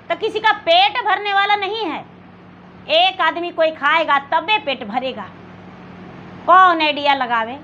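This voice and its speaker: A woman with a Bihari accent narrates a religious folk story in an extremely high, bright voice. She takes her time, speaking in a homely village manner and repeating phrases for emphasis. The recording is dull and lo-fi, with faint noise behind her. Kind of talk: oral storytelling with acted dialogue, addressing a devotional gathering.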